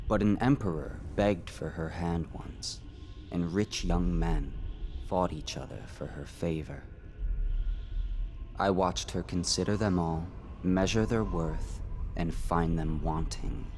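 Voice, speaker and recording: A man playing a solemn, cryptic watcher in a video game, telling a tale in measured phrases. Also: low voice, a little mellow. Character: solemn, cryptic male narrator who watches mortals. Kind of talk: scripted video game monologue.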